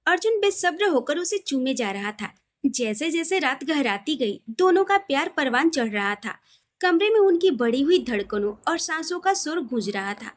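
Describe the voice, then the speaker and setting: A woman storyteller reading a scripted romantic story. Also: sits high.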